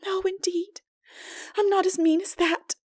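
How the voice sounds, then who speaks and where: A woman's voice: very high-pitched, little pitch movement, unhurried, a little mellow, pitched above the performer's own voice. A woman voicing an impulsive, melodramatic, talkative teenage girl in a breathless, exclamatory audiobook reading. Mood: miserable, resolute. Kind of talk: dramatic audiobook character voice.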